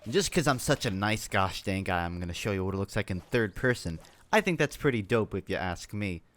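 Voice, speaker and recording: A man's voice: lowish voice, expressive, fairly quick, fairly bright tone. A young man giving casual, rambling commentary over his game footage, full of sarcastic, self-mocking jokes. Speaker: gaming YouTuber.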